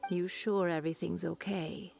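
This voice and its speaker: A woman voicing a gentle, worried middle-aged mother in an anime-style video game. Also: on the low side, steady tone, moderate pace. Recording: clear game music behind.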